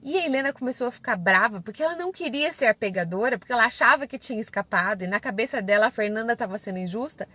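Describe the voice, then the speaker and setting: A woman's voice: fairly high pitch, animated, fast talker, few pauses, no echo. Brazilian woman giving casual advice. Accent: Brazilian Portuguese. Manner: warm and conversational, often adds "né?" and "certo?". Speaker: parenting educator hosting a live stream. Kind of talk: casual advice talk on a live stream. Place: inside a parked car.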